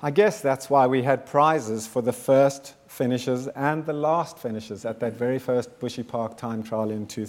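Man, 50s, from South Africa; founder's keynote, measured and sincere, middle-pitched. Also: a little mellow. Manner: measured, earnest, builds with repeated phrases. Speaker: founder giving a talk. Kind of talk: prepared speech to an audience.

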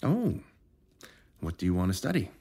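A man's voice: low voice, huge pitch swings, moderate pace, dark tone, husky, full character voice. A man playing an affable but needling government interviewer in an audio drama, chatty and patronizing. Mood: probing.

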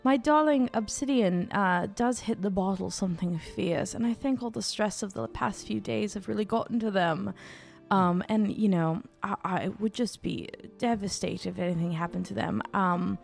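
A woman's voice: medium pitch, normal speed, vocal fry, faint music behind, close to an everyday voice. Casting: woman doing sly flirt, sugary and coaxing, calls everyone darling. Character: scheming flirtatious woman, sweet-talking.

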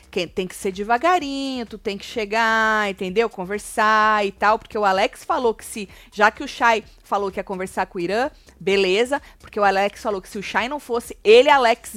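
A woman's voice: mid-range voice, a bit bright, dry recording. A woman hosting a casual live chat about a reality show, gossiping bluntly, swearing freely and talking straight to her viewers. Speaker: reality show commentator reading viewer comments.

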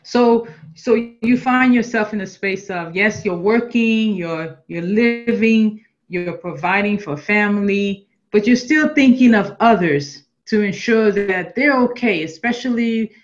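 A woman's voice: medium pitch, a little slow, hardly any pauses. Encouraging female host on dull call audio. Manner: encouraging, rephrases and stumbles. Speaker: interview host. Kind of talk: video call interview.

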